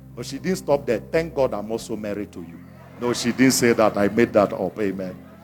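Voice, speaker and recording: A man's fairly low voice at a fairly quick pace, with very wide pitch swings, big swings in loudness, and music in the background. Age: 50s. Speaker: preacher. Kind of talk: sermon. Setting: church. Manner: animated, call-and-response, emphatic; rhythmic, exhorting, urging the congregation to repeat.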